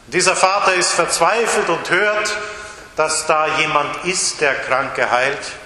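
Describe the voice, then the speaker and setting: Male pastor, bright voice, slow sermon, big church reverb. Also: fairly high pitch, fairly even intonation. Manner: slow, storytelling delivery. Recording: echoey church hall.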